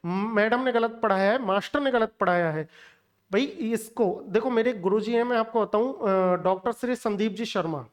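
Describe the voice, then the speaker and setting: A man teaching a pronunciation lesson for exam students, emphatic and lecturing, repeating words over and over to drill them. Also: high-pitched. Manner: lecturing, addresses viewers directly. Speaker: Hindi teacher.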